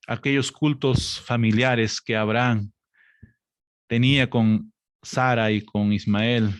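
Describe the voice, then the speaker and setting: A male preacher delivers a sermon in a mid-range voice, calling on his listeners as brothers and sisters. He reads scripture slowly and pushes his voice higher for emphasis. The recording is dry, with little room sound. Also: dry recording. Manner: addresses listeners as brothers, builds to emphatic raised pitch; reads scripture aloud with slow, stressed delivery.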